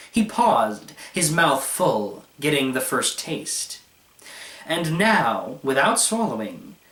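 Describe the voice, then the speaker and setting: A man reading a literary short story aloud as narrator, with measured, deliberate phrasing. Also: medium pitch, fairly bright tone. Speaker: story reader. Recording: roomy, echoey, distant microphone.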